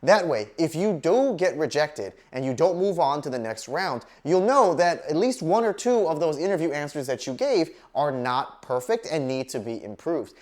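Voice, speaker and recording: A woman presenting scripted career advice to camera, explaining point by point with clear emphasis. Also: deep voice, sing-song, moderate pace, hardly any pauses, a little mellow. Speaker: career advice host, recruiter. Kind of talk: scripted instructional video talk to camera.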